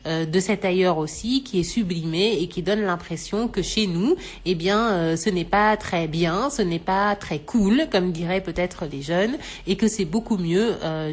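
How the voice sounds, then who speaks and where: Thoughtful low-voiced woman explaining. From Senegal. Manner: measured, thoughtful, many fillers. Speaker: radio show expert guest. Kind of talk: radio talk show explanation.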